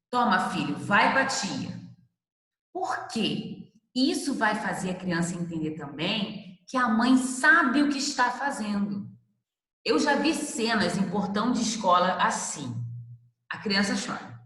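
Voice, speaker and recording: A woman lecturer teaches in a loose, conversational way, calling on students by name and tossing out rhetorical questions. Her voice sits at a middle pitch, carried by an echoing room with a long reverb tail. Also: expressive, normal speed, fairly bright tone. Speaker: university lecturer. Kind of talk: online class lecture.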